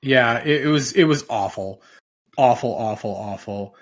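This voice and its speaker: On an audio-only recorded podcast, a man hosting rambles casually, sounding emphatic and exasperated and repeating points for emphasis. He speaks at normal speed in a mid-range voice.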